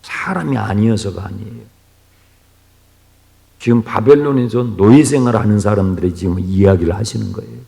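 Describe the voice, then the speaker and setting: Male pastor preaching, voice jumps all over, goes whispery then loud, church echo. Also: mid-range voice, vocal fry. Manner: swings from hushed near-whispers to loud exclamations; asks the congregation questions. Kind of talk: early-morning sermon. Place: church sanctuary. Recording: reverberant church hall.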